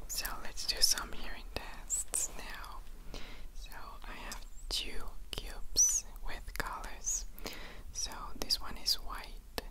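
A man whispers very slowly, with long, frequent pauses between his words. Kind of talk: soft-spoken roleplay exam questions. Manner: soft, hushed ASMR voice close to mic. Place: home room.

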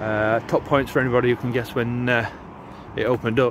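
A man speaks fairly quickly in a dry sound with no echo, though noticeable background noise is heard. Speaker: tour guide vlogger. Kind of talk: casual tour commentary. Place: street. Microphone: phone near.

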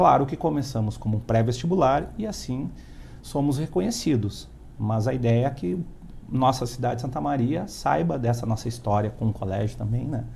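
Over light background noise, a man with vocal fry and a dark, mellow tone speaks at a moderate pace with lively intonation. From Rio Grande do Sul, Brazil (Cruz Alta); Rio Grande do Sul, Brazil. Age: 40s. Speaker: education business director; interview guest. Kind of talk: interview. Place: studio. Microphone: lapel.

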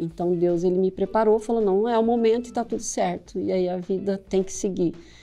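Faint music plays in the background as a woman talks at a moderate pace with ordinary pitch variation. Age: 50s. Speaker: women's mentor and speaker; speaker. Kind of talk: interview. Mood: earnest, reflective personal story. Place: studio. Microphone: studio mic.

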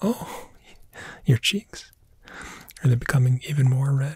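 Soft-spoken and at a fairly slow pace, the voice comes through dry with no echo over a quiet background. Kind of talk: ASMR roleplay, soothing sleep talk. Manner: soft, tender, sleep-inducing voice.

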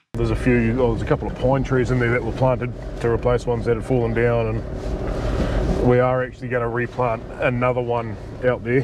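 Over noticeable background noise, a man with a New Zealand accent talks at a fairly quick pace in a dry sound with no echo. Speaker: sheep and beef farmer. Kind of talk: casual chat.

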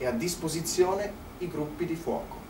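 A man's voice over light background noise, with audible room echo. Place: stage. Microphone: camera far.

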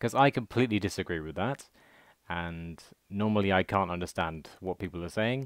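In a British accent, a man talks at a fairly quick pace with a fairly low pitch and ordinary pitch variation, the sound dry with no echo against a quiet background. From England. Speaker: language learner youtuber. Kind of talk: casual talk to camera. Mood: confused, puzzled in reactions. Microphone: headset.

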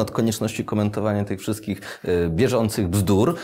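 A man talks at a fairly quick pace. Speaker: show host. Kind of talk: interview host introduction. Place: studio.

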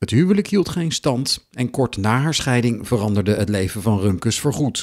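A man has an unremarkable speaking voice at a medium pitch with lively intonation. He speaks at a moderate pace in a very clean recording with a silent background. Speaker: news reporter. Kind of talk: local news voice-over.

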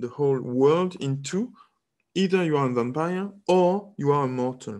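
At a moderate pace, a man with a strong French accent speaks at a fairly high pitch using lively intonation. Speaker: statistics lecturer. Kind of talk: university lecture. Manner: hesitant, many fillers.

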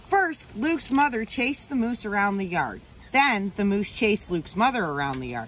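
Natural-voiced reading aloud.

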